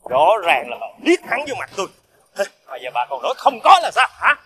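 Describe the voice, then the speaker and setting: An actor playing a violent young drug addict who yells threats at his neighbors, with a Southern Vietnamese accent. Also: high voice, huge pitch swings, brisk, background noise. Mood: accusing. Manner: menacing, yelling threats. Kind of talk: TV crime reenactment drama.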